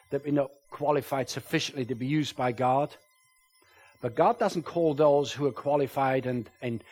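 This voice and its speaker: A man whose first language is German, preaching a sermon to a congregation, his voice rising loud when he quotes scripture. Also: medium pitch, breathy edge. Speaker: pastor. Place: church.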